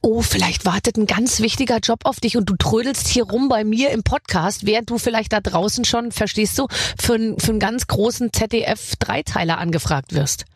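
Woman podcast host, teasing banter, husky voice, dry studio sound. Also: on the high side, no room sound. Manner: joking, teasing, quick banter. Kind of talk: casual podcast chat.

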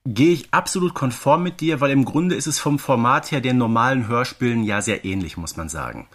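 Middle-aged man, medium pitch, podcast co-host, casual discussion, explanatory, tag questions. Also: lively intonation, brisk. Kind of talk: casual discussion of audio dramas.

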